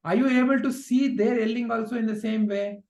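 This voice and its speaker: A man's voice: extremely high pitch, fairly even intonation, fairly quick, a little mellow. A man giving a spiritual discourse, asking rhetorical questions and repeating phrases for emphasis. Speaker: spiritual teacher. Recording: echoey room sound.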